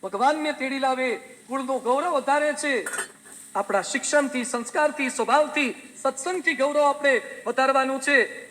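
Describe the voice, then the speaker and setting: A man, a swami, giving a sermon full of homely anecdotes and gentle humor. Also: very high voice, normal speed, in a large hall, a little hiss or hum. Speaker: swami preacher.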